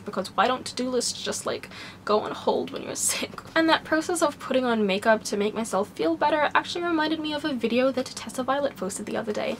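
A young woman vlogger, hoarse from a cold and losing her voice, talking candidly and wryly to the camera in a small room. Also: fairly high pitch, slight background noise. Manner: rambling, candid, wry and animated. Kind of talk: casual talking-to-camera vlog. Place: small home bedroom, indoors.

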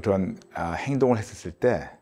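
Probing middle-aged pastor. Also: male voice, low-pitched, animated, brisk, mellow. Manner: probing, with frequent short acknowledgments. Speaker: pastor and host. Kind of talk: pastoral counseling interview. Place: dark studio set, seated in armchair.

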